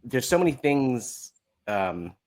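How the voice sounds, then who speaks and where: A man's voice: mid-range voice, big pitch swings, slow pace, darkish tone. A man in his thirties chatting casually as a guest, rambling and often acting out bits of dialogue. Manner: rambling, often quotes himself and others in dialogue. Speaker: podcast guest, musical writer. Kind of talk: casual chat.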